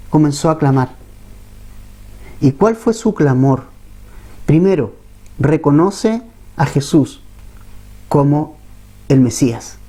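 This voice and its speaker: His voice is a little high and warm-toned, with a Chilean Spanish accent, as he preaches a Bible-teaching sermon as pastor. He keeps it conversational and often asks the congregation questions.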